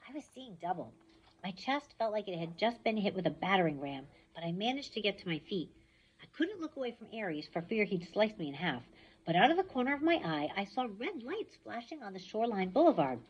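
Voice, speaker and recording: A woman reading a novel aloud with expressive storytelling. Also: medium pitch, a little fast, slightly rough, dull audio. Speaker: reader.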